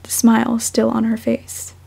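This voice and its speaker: Young female amateur fiction reader. Husky, creaky, soft-spoken, unhurried. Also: a little high, monotone. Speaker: fan fiction author and podfic reader. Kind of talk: audiobook-style story narration, then casual self-conscious chat.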